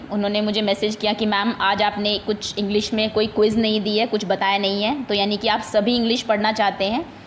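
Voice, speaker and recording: A woman's voice: medium pitch, a little hiss or hum. A woman teaching English grammar to children online, speaking with an Indian accent, mixing Hindi and English, explaining patiently and asking her pupils questions.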